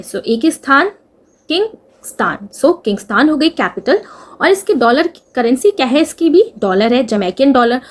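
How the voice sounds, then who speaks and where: Woman, high voice, chatty teacher, asks and answers own questions. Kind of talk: exam-prep lesson with memory tricks.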